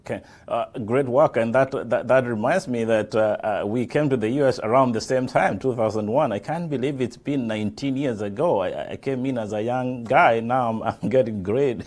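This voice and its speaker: A man's voice: medium pitch, normal speed, hardly any pauses, darkish tone. A middle-aged man from Africa hosting a live interview show, speaking effusively and often repeating and restarting his phrases. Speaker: talk show host.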